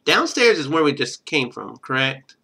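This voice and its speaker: A man's voice: mid-range voice, big pitch swings, normal speed, vocal fry, bright, forceful tone, husky. A man streaming a game, reading its text aloud and thinking through it in casual commentary. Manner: thinks aloud while playing.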